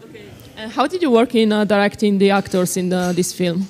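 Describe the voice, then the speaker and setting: A woman's voice: medium pitch, fairly quick, a little mellow. Woman interviewer with a handheld mic. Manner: hesitant, many fillers. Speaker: festival interviewer. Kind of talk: festival interview. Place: festival lounge set, indoors.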